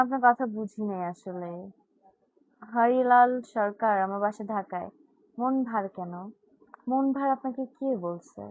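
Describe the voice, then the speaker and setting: A woman's voice: a little high, rough recording. A teenage girl from Bangladesh hosting a live stream, chatting casually and answering viewer comments one by one. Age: teens.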